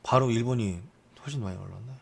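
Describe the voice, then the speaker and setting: A man's voice: fast, gravelly, breathy edge. A young man streaming live, reading football news in a chatty, joking way and muttering asides. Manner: chatty, lively pitch, jokes and mutters asides. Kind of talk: casual live-stream commentary.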